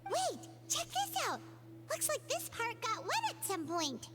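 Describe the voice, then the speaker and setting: A woman voicing a small, chirpy fairy-like girl companion in a video game, eager and excitable. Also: very high-pitched, a little slow, full character voice. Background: game music.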